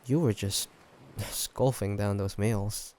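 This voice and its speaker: Playful teasing drives this clip, where a man with a lowish, slightly gravelly voice portrays an affectionate human boyfriend on a fancy date. It's an intimate one-sided roleplay audio drama, delivered casually and haltingly, with soft chuckles and gentle jabs.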